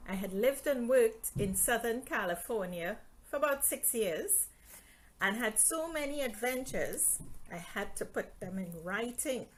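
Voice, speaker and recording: A woman's voice: fairly high pitch, animated, a little slow, poor audio. A middle-aged woman from Trinidad and Tobago, an author chatting on a live stream about her books and reading her novel's introduction aloud. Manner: friendly, chatty, reads aloud from her book.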